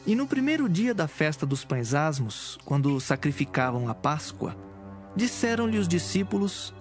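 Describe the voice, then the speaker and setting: Higher-voiced male Bible narrator, music behind. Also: sing-song. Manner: measured storytelling phrasing. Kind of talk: scripted narration of dramatised scripture.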